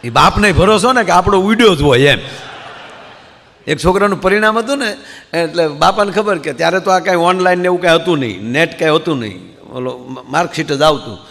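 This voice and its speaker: A man telling comic folk stories to a live audience, acting out his characters with quick voice shifts. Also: on the high side, animated, vocal fry, a bit bright. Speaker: folk comedian storyteller. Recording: hall reverb.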